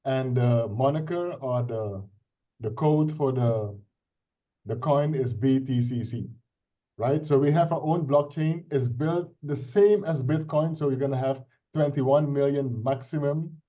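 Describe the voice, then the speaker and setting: A man's voice: medium pitch, measured pace, warm tone. Middle-aged man with a Dutch accent, muffled call audio. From Suriname. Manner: earnest, explanatory, with frequent restarts and "right?" checks. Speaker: IT consultant presenting a crypto project. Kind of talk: casual self-introduction and explanation on a video call. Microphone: video call. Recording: dull lo-fi video call audio.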